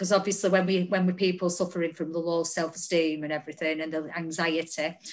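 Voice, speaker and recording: With a Manchester accent, a woman talks very fast and hardly pauses. Her fairly low voice stays flat and monotone. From Manchester, northern England. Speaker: fitness and well-being coach. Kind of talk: casual interview chat.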